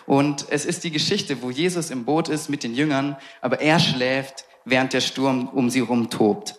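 A man's voice: mid-range voice, fairly even intonation, normal speed. A young man preaching a sermon with fervent, repeated rhetorical questions and casual asides. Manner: casual interjections of "hey".

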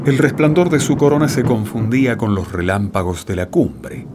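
A man reading poetic scripted narration in a solemn, dramatic, expressive way. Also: mid-range voice, moderate pace, noisy background. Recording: loud music with rain and thunder. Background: loud music, rain, thunder.

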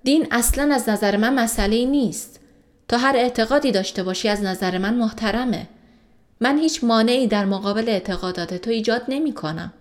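A woman reading the lines of a serious, caring male doctor in an audio story, keeping a gentle, steady, reassuring manner. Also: on the high side, lightly acted.

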